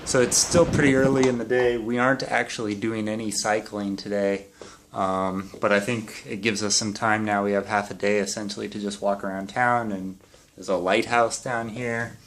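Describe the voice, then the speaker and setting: A man's voice: on the low side, fairly even intonation, moderate pace. A man in his thirties, an upbeat travel vlogger talking casually to a camera held at arm's length. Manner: upbeat, chatty, laughs often. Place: outdoors on windy streets and indoors in rooms. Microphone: handheld camera at arm's length. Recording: loud wind noise on camera mic.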